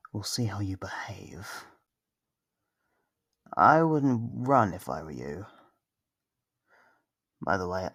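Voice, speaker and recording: A performer voicing a teasing, condescending, possessive vampire in an ASMR roleplay, slow and smug with a husky voice. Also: low-pitched, no room sound, studio quality, exaggerated voice. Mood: gloating, menacing.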